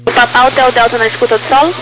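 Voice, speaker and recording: Brazilian lady doing ground control on the radio, highish voice, clipped instructions, lots of static. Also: fairly even intonation, very fast. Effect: aviation radio transmission. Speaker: ground air traffic controller. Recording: noisy crackly aviation radio.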